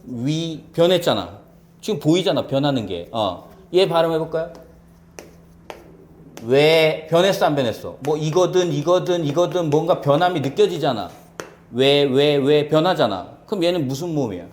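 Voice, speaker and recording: Lively, high-pitched male lecturer. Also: a little fast, slight background noise. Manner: rhetorical questions answered himself, emphatic repetition. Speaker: civil service exam Korean lecturer.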